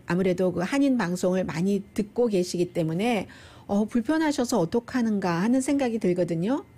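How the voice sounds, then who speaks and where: A woman's voice: mid-range voice, mellow. A middle-aged woman presenting the news in a conversational commentary style, explaining at length and talking directly to her listeners.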